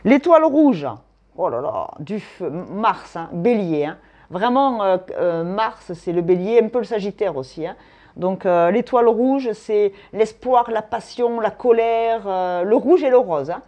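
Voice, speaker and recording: Chatty woman reading tarot, mellow voice. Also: mid-range voice, expressive, a little slow, dull audio. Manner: chatty, thinks aloud, frequent tag "hein". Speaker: tarot reader. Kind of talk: casual tarot and astrology reading.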